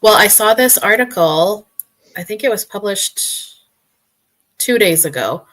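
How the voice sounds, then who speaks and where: A woman hosting a casual livestream chat who has a croaky voice and laughs often while greeting viewers. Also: mid-range voice, lively intonation, a little slow, fairly bright tone, low-quality recording. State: croaky voice with a cough. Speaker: livestream host.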